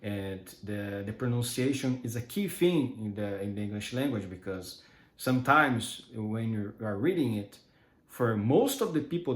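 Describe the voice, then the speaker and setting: A man's voice: medium pitch, roomy sound. A man from Brazil, a native Portuguese speaker with a countryside São Paulo accent, talks in a casual monologue full of hesitant restarts. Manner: hesitant, many restarts and fillers. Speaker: vlogger.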